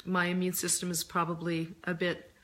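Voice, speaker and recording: A middle-aged woman recovering from laryngitis, chatting casually on a live stream in a reflective, earnest, halting way, her voice deeper than usual. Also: completely flat delivery, fairly bright tone. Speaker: host of a live stream, author and coach. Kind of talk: casual live chat answering viewer questions.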